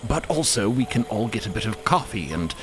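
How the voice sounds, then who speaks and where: A man voicing an excitable, genial professor-inventor with an effusive, eager manner. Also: lowish voice, brisk.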